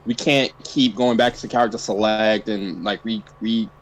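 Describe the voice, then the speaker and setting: A man coaching a fighting-game player in a casual online session, talking in a relaxed way with lots of fillers while chewing mints. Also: fairly low pitch, normal speed, slight background noise, rough recording. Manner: relaxed, filler-heavy talk.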